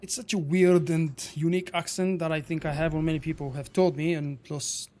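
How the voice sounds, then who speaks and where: Bulgarian man, higher voice, chatty gamer. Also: brisk. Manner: relaxed, rambling, answers chat between fights. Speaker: game streamer. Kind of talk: live gameplay commentary, chatting with viewers.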